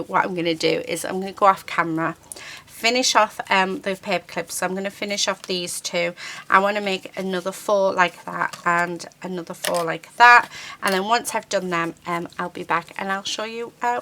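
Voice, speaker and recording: A woman hosting a casual paper-craft tutorial, croaky from a sore throat, chatty and often hunting for words between ums. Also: fairly low pitch, bright, forceful tone, a little hiss or hum. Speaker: craft channel host. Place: craft table indoors.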